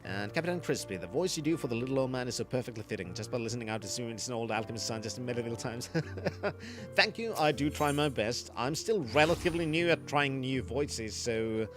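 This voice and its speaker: A man's voice: medium pitch, animated, fairly quick, over music. A man streaming a game, chatting casually and explaining the mechanics as he plays, often restarting his sentences. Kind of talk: casual gaming commentary.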